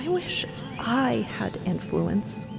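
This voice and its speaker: Woman acting anxious girl, high pitch, swooping delivery, earnest run-on worrying, podcast drama, music behind. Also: very animated, slow pace, vocal fry, full character voice. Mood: wistful. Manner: rambling, breathless run-on worrying. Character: anxious young niece, a girl, earnest and fretful.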